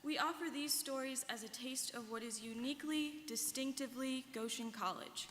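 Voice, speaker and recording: A woman's voice: high voice, normal speed, a bit bright. A young woman performing an earnest, rehearsed first-person reading as a student on stage. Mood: earnest recollection. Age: young adult. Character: earnest young woman telling her life story. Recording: reverberant hall with faint noise.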